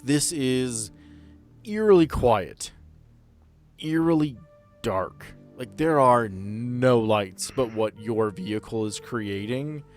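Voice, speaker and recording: A man narrating a tabletop game as game master, setting scenes in a conversational, halting way. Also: mid-range voice, lively intonation, darkish tone, faint music behind.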